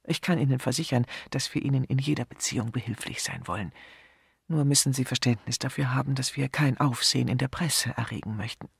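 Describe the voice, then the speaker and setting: A polished, wary hotel manager, as a male audiobook reader plays him, speaking in smooth courtesies that turn sharp. The voice is gravelly and husky, recorded dry and close. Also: mid-range voice, fairly quick, dry recording. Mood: polite.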